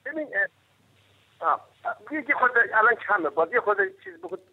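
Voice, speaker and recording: A man's voice: extremely high pitch, big pitch swings. An Iranian man calling in to a political talk show, speaking heatedly and insistently, pressing his point over a phone line. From Iran. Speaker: caller.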